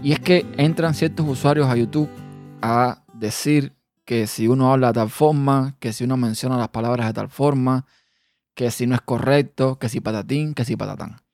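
A man with a Cuban accent hosting a personal podcast monologue, a quick talker who sometimes trips over his words. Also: mid-range voice, a little mellow, no echo, faint music behind. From Cuba. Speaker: podcast host.

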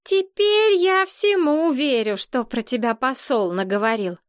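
A woman reading an audiobook, voicing a bossy, indignant young princess who scolds in a high, dramatic voice. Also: sing-song, normal speed, no room sound, studio quality. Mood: haughty. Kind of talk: audiobook character voice.

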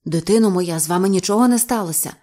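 A woman voicing a wary middle-aged sea captain with a gruff, measured way of talking. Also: lowish voice, dark tone, lightly acted.

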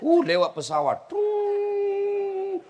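A middle-aged male preacher, giving a humorous religious lecture and telling stories with shouts and laughter. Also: very high voice, very slow. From South Sulawesi. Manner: animated storytelling, bursts into shouts and laughter.

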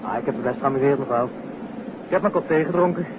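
A man's voice: mid-range voice, fast talker, natural voice. A man acting a cheery, chatty young servant in a 1950s radio drama, colloquial but deferential to his employers. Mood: cheerful, deferential. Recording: dull, noisy 1950s radio recording.

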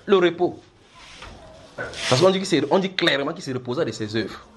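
A man's voice: fairly high pitch, animated, brisk, background noise. A man preaching a Bible teaching at a house church, asking his listeners questions and repeating their answers.

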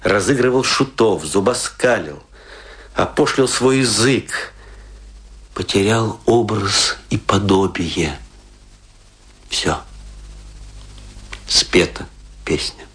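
A man playing a disillusioned, drunken provincial stage actor, self-mocking and brooding, in a theatrical radio drama monologue that rambles with pauses. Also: fairly low pitch, expressive, fairly bright tone, husky, full character voice. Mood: bitter, anguished.

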